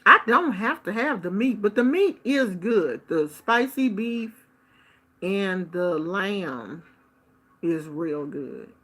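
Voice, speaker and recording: A middle-aged woman from the United States telling a casual story in a chatty, expressive way, acting out the people she quotes. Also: mid-range voice, slow. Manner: chatty, expressive, animated quoting of others. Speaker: vlogger. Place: Bay Area.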